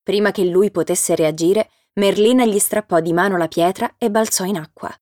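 A woman narrating a children's storybook in a steady, clear reading voice. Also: mid-range voice, moderate pace, no echo, clean studio sound.

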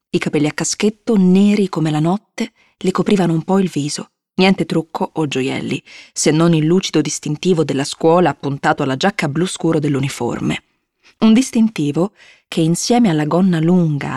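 Woman audiobook narrator, steady storyteller, dry close mic. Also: lowish voice, no echo. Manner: measured, even storytelling. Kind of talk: scripted narration.

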